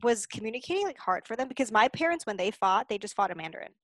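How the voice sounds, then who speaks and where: A woman's voice: a little high, sing-song, fast talker, fairly bright tone, no echo. A woman hosting a casual interview, asking questions and adding encouraging replies. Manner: asks questions, encouraging back-channel replies.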